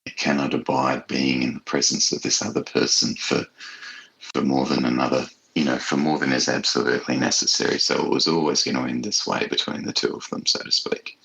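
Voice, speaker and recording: Man, interviewed writer, bass-deep voice, heavy vocal fry, reflective, deliberate, articulate. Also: flat delivery, sharp tone, low-quality recording. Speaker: author being interviewed.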